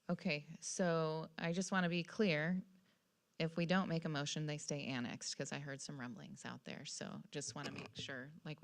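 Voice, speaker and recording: An American woman chairs a public council meeting in a very low voice with noticeable vocal fry. She speaks in plain, procedural language and carefully restates points to be sure they are clear. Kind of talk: formal public meeting discussion, plain-spoken.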